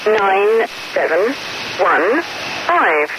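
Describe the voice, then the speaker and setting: A woman as a numbers station monotone announcer. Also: mid-range voice. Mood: detached. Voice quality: numbers station monotone, slow flat reading of digits. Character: female numbers station announcer, cold and mechanical. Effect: numbers station radio broadcast. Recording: muffled lo-fi radio with loud static.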